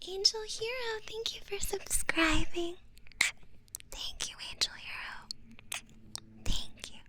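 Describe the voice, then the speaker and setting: A woman's voice: high voice, pushed and bright. A woman streamer whispering playfully and teasingly to her chat, close to the microphone. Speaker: VTuber streamer. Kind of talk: whispered ASMR-style live stream chat.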